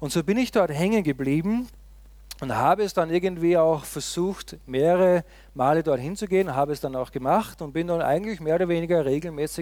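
Fairly quick and fairly high-pitched, a man speaks with an Austrian accent in a dark, mellow tone. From Austria, Enns valley in Styria (rural alpine). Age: 30s. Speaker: lay preacher. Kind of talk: sermon. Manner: animated.

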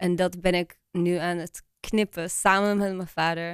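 A woman speaks at a fairly slow pace in a fairly low pitch, her intonation flat and monotone, with a dry, close sound free of echo on a very clean recording with a silent background. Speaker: musician and painter. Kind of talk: casual interview. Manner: halting, frequent fillers.

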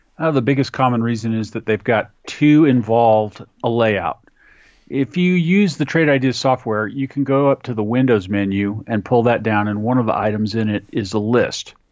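Against a quiet background, a man talks at a moderate pace in medium pitch with ordinary pitch variation. He has an ordinary speaking voice. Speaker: customer service and tech support lead. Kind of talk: casual interview chat.

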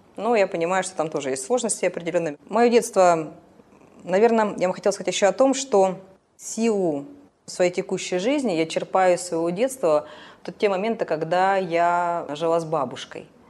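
This woman has an unremarkable speaking voice. She keeps a moderate pace with ordinary pitch variation. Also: medium pitch for a woman. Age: 30s. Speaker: psychologist. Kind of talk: interview.

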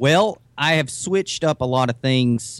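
The voice has an American accent and ordinary pitch variation. The recording is very clean, with a silent background. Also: man. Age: 30s. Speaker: fitness podcaster and bodybuilder. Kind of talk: casual chat.

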